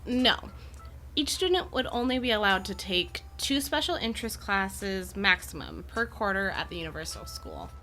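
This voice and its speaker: A woman's voice: mid-range voice, big pitch swings, moderate pace, pushed and bright, a little hiss or hum. A woman playing an amiable, poised Gorgon educator in an audio drama, with articulate, genteel and reassuring phrasing. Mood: earnest, passionate.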